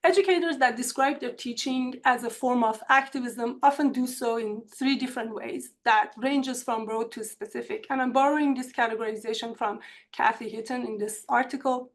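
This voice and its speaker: A woman with an Iranian accent presents to colleagues in an online seminar, speaking in a measured, earnest way from prepared remarks. Her voice sits a little high for a woman. It comes through a computer mic on a video call. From Iran. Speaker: university instructor. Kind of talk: academic webinar presentation.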